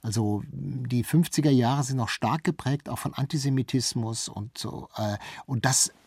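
Man, husky voice, medium pitch, conversational expert explanation, emphatic word repetition, dry recording. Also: moderate pace, darkish tone, no room sound. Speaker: interview guest, expert on radio history.

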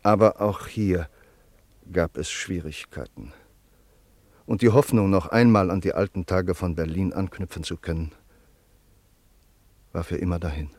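A man narrating a German radio play in a sober, measured and solemn style. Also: deep voice, a little mellow, no room sound.

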